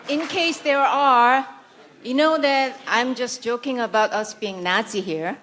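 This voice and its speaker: A woman's voice: a little high, measured pace, a bit bright, a faint crowd. A woman from South Korea, a native Korean speaker, delivering a prepared conference speech in Korean-accented English, full of dry, sarcastic humor and mock-serious asides.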